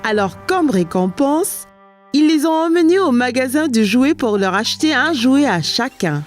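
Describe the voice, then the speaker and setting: Female cartoon narrator: gentle, clear storybook delivery, a bit high, faint music behind. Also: big pitch swings, normal speed. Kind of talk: scripted storybook narration for small children.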